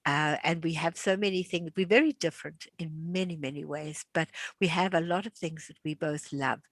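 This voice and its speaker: A woman's voice: deep voice, normal speed, no echo, studio quality. A woman in her sixties hosting an online class, chatting casually and laughing easily. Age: 60s. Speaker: class host. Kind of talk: casual hosted chat.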